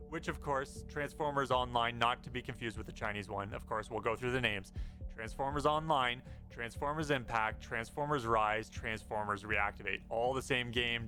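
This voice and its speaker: Guy doing gaming news commentary, really bright punchy voice, medium pitch, music playing behind him. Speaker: gaming news YouTuber, host. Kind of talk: informal video commentary on game news. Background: background music.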